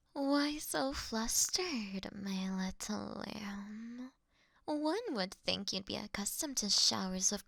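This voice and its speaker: A woman acts out an age-old, aristocratic vampire mistress in an intimate audio drama. She speaks slowly and softly, in a breathy near-whisper edged with vocal fry. Her diction is elegant and formal, charming and teasing with a gently commanding temper. The sound is dry and close. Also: medium pitch, no room sound. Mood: flirty, teasing.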